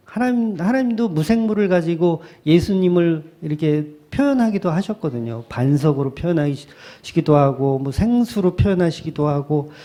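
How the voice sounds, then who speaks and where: A male pastor preaching a sermon in a lively way, slipping into quick acted asides. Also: a little high.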